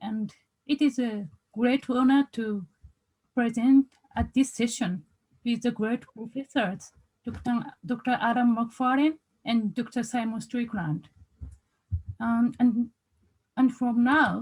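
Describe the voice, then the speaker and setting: A woman with a Japanese accent at a very slow pace, ordinary pitch variation and long, frequent pauses, in a dry, close sound with no echo. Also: fairly high pitch for a woman. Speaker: PhD researcher. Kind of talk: conference presentation. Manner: halting.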